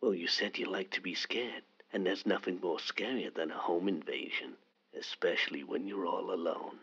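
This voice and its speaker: A man's voice: moderate pace, fairly bright tone. A man voicing a menacing, teasing masked killer who calls in to a podcast, in an audio play over a muffled line. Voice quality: gravelly, low and menacing.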